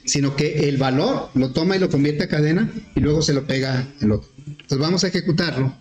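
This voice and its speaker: A man teaching programming, explaining step by step with questions to the class and often clearing his throat. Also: a little high, brisk, darkish tone. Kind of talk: screen-recorded class explanation. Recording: echoey room.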